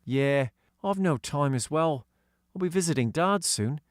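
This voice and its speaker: Blunt, excitable schoolboy, played by a male narrator, raised pitch and lively swings, audiobook adventure. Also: measured pace, no echo, clean studio sound. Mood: reluctant.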